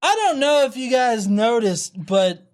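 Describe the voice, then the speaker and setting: Brief: young male host, profane comedic commentary, animated swooping intonation. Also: extremely high pitch, unhurried. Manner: profane, sarcastic, mocks commenters in silly voices. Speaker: YouTube host reading comments.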